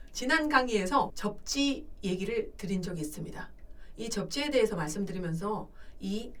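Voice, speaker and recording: A woman's voice: mid-range voice, lively intonation, moderate pace, far from the mic. A middle-aged woman vocal coach giving a lesson, explaining step by step and sometimes breaking into sung demonstrations.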